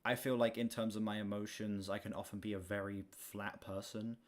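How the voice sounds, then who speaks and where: A young man livestreaming, chatting casually and candidly to his audience in a projected but monotone voice, swearing now and then. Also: lowish voice, a little fast. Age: young adult. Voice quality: self-described monotone, projected streaming voice. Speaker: gaming livestreamer. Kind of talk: casual chat to a stream audience. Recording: clear background noise, keyboard clicks. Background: keyboard typing and clicks.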